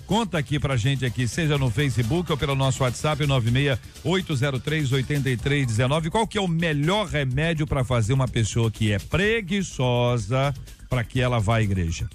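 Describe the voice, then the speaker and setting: A man hosting a radio debate show, presenting in a lively, conversational way to listeners. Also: medium pitch.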